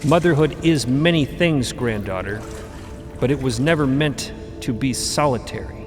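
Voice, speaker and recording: A man's voice: medium pitch, moderate pace, lightly acted. An actor playing a wise, exasperated male cosmic mentor in a fantasy audio drama, pontificating with dry, impatient asides. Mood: serene, instructive. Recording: long cavernous reverb under loud music.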